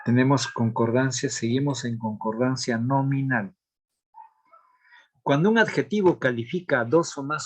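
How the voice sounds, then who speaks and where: A male teacher walks through grammar rules at an unhurried, measured pace. He reads each example carefully and pauses to check that the class follows. His voice sits at an ordinary middle pitch. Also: a little mellow. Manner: slow, deliberate explanation of examples; asks checking questions of the class. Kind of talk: grammar lesson.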